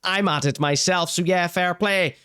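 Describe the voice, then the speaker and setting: A man's voice: high-pitched, normal speed, bright, forceful tone, smooth. Blunt Northern Irish male streamer. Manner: wry, blunt, swears casually, laughs at his own jokes. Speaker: show host. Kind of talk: casual live-stream chat, reading comments.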